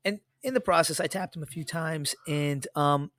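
A middle-aged man co-hosting a podcast, telling stories in a casual, animated way and acting out the dialogue he quotes. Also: on the high side, moderate pace, no room sound, clean studio sound. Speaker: podcast co-host.

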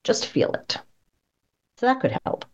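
A woman speaking as a guest voice coach, giving conversational advice in an emphatic, expressive and encouraging manner. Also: unhurried.

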